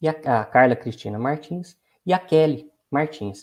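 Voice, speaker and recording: A man speaks with a Minas Gerais accent. His pace is fairly slow and his intonation lively. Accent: Minas Gerais (mineiro). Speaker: moderator of a spiritist study program. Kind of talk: moderated livestream discussion, introducing guests. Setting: online livestream. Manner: warm, slightly halting.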